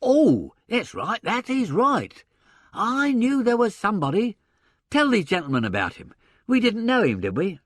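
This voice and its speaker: Reading an audiobook character, a man portrays a blunt, chatty older theatrical agent: opinionated, colloquial, dropping grammar and chuckling as he goes. The voice is pushed up and exaggerated, high-pitched with huge pitch swings, a little slow and fairly bright, captured dry at studio quality.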